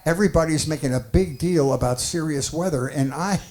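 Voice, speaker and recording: A man's voice: a little high, brisk, darkish tone. A man in his sixties doing a dry stand-up set of one-liners. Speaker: stand-up comedian. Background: audience laughter and crowd.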